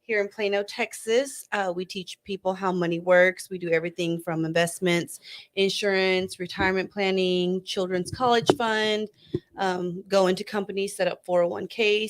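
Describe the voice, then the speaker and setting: Measured woman with a lowish voice. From Taiwan, raised in America. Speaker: guest, financial firm owner. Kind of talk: casual chat.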